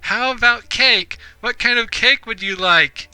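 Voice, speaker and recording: A man putting on a prim, high-pitched mermaid princess. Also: a little slow, bright, forceful tone, clear, resonant tone, faint music behind, exaggerated voice, poor audio. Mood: prim, eager. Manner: formal, overly polite and naive. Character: prim, proper young mermaid princess woman.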